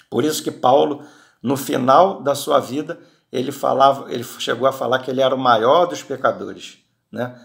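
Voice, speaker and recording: Male preacher, mid pitch with a gravelly edge, conversational Bible teaching with frequent restarts. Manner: frequent tag questions and restarts.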